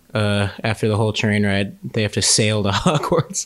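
A man with an American accent speaks at a moderate pace. He has a plain, everyday voice at medium pitch. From United States. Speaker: podcast co-host. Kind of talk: casual chat.

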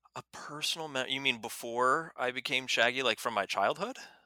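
A man's bright, sharp voice at medium pitch and a fairly quick pace, with a dry, close sound with no echo. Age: 30s. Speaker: actor. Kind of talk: casual chat.

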